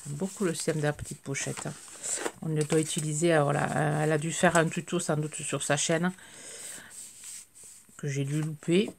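A middle-aged woman, slightly hoarse, chatting hesitantly with many fillers as she opens craft mail at home. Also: deep voice, level tone, moderate pace, pauses often, noisy background. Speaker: craft vlogger. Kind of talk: casual chat while unboxing mail. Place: craft table indoors, home.

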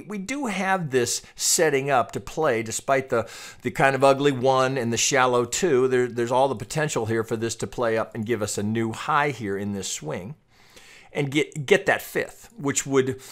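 A man with a mid-pitched voice talks through charts as an analyst and coach. His delivery is unscripted and explanatory, like a tutorial. He often doubles back, repeating or restarting phrases as he works through each point. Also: a bit bright.

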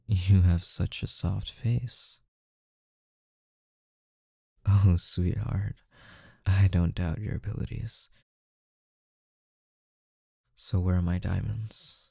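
A man acts out a smooth-talking mafia boss in an intimate ASMR roleplay. His low voice is dark and husky, heard very dry and close. He coaxes and threatens calmly, pausing deliberately. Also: dry recording, exaggerated voice. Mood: amused, coaxing. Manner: slow, menacing, softly coaxing, with deliberate pauses.

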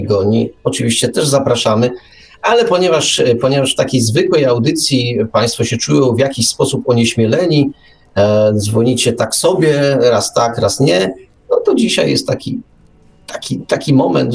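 A man's voice: mid-range voice, vocal fry. A man co-hosting a casual radio show, rambling and wry, often repeating his words as he teases his partner. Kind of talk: casual live radio chat.

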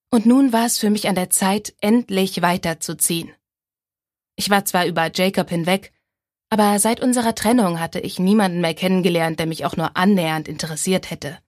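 A young woman narrating a first-person audiobook in a calm, clear storytelling manner. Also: on the low side, no room sound, clean studio sound.

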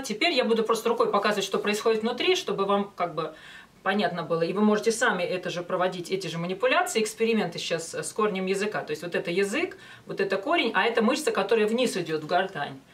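A woman in her forties teaching as a vocal coach, explaining step by step with hesitant pauses between phrases. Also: mid-range voice, animated. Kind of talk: instructional talk with short sung demonstrations. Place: small indoor studio with banner backdrop. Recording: voice some distance from mic.

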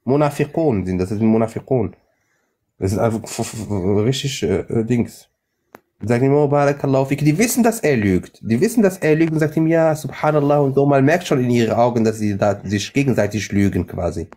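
A man whose first language is Arabic, hosting a live-stream chat and speaking halting German with many restarts. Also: medium pitch, animated, dark tone. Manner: halting, many restarts and fillers, non-native German grammar. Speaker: livestream host.

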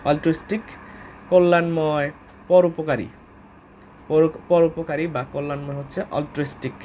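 A man's voice: fairly high pitch, flat delivery, measured pace, a little mellow, a little hiss or hum. Hesitant Bangladeshi man teaching vocabulary. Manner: informal and hesitant, frequent "uh" fillers, spells words out letter by letter. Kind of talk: casual spoken vocabulary lesson.

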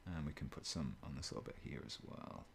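Male streamer, deep and even, relaxed chatty delivery at a painting desk. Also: a little fast, vocal fry, a little hiss or hum. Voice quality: low, fairly monotone voice. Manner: relaxed, chatty, chuckles often, reads chat aloud. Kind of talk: casual live stream chat while painting.

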